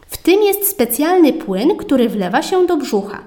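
A woman voicing a cheerful young girl in a storybook reading, with a high, eager childlike voice. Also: sing-song, normal speed, mellow. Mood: explaining.

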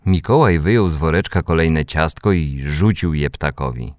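A man narrating a children's story in a gentle, measured reading voice that speaks to young listeners. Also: extremely low pitch, dry recording, studio quality.

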